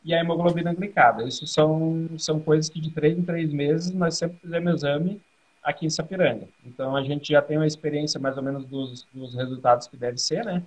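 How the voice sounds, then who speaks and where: A man's voice: fairly high pitch, brisk, husky, poor audio. A man, a parent taking part as a guest, plainly listing details step by step. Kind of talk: casual video-call chat.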